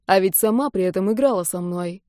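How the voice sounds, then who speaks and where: A woman's voice: mid-range voice, fairly quick, a little mellow, no room sound, clean studio sound, lightly acted. A woman reading the part of a cold, tired young man who speaks with clipped mockery. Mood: mocking.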